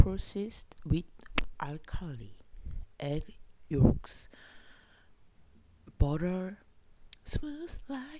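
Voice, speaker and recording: A woman's whisper at a very slow pace. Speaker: diet YouTuber who runs a diet channel. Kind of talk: casual talk to camera, humorous ASMR parody. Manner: loud, failing to whisper, humorous.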